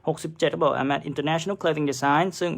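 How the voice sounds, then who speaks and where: Gravelly male test-prep teacher. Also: fairly high pitch, fairly even intonation, moderate pace. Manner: chatty, mixes English terms into explanations. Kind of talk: live-streamed lesson explaining test answers.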